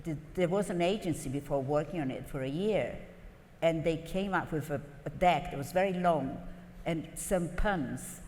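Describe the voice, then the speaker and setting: A woman design partner on a live panel, explaining her thinking in a thoughtful, measured way. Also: low-pitched, a little mellow. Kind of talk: unscripted panel talk. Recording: reverberant live conference hall.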